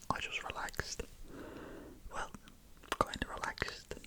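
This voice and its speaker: Someone whispers in an Irish accent at a fairly slow pace. There is noticeable background noise. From Ireland. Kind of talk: ASMR whisper ramble. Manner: whispered.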